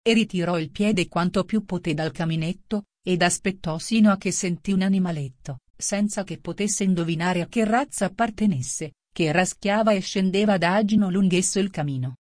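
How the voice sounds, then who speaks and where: Woman audiobook narrator, low-set voice, dry, steady scripted reading. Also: normal speed, few pauses, no echo. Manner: reads punctuation marks aloud. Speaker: audiobook reader.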